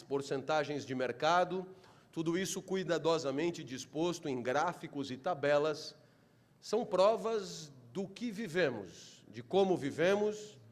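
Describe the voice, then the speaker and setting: High-voiced man lecturing. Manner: rhetorical questions, builds to emphatic, louder delivery. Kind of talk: motivational philosophy lecture.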